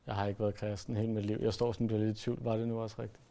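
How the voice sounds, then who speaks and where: Gravelly, dark-voiced male preacher. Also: fairly low pitch, flat delivery. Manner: earnest, rises to emphatic then drops to soft. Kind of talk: sermon.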